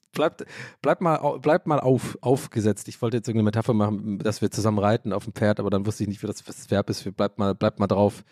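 A man's voice: fairly low pitch, steady tone, a little fast, darkish tone, no echo, studio quality. A man from Ireland hosting a podcast, rambling and joking in casual chat, swearing and mocking himself. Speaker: podcast host.

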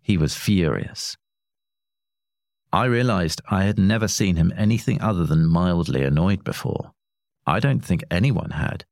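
A man reads a short story aloud in a measured, wry narration. His voice is very deep and low-pitched. The recording is dry and close, with no room echo.

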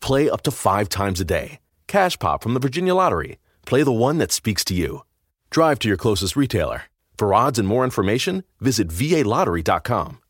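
A man reads an upbeat, playful commercial with a husky voice. His pitch bounces widely. The recording is close and dry. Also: sing-song, fairly quick, dry recording. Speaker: advertising voice-over.

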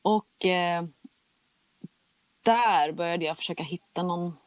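A young woman with a fairly low voice tells a personal story candidly and casually. She acts out the back-and-forth of conversations as she goes. The sound is close and dry, like a podcast mic. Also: no echo. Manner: candid, chatty, acts out quoted exchanges. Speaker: guest telling her story.

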